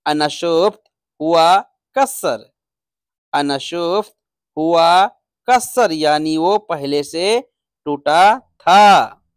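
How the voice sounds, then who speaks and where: Guy teaching a beginner language class, super slow, says each word over and over then explains it. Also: a little high, clean tone, no room sound, clean studio sound. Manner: repeats each word slowly and explains its meaning. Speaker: Arabic teacher.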